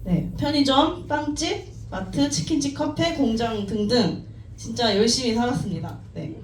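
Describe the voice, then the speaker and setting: A woman's voice: fairly high pitch, animated, normal speed. A woman in her thirties tells her life story to an audience at a company meeting, in a modest, self-deprecating manner and with frequent light laughs. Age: 30s. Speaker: team member giving a talk at a company meeting. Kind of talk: personal story talk to an audience. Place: meeting room. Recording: echoey room, distant mic, faint noise.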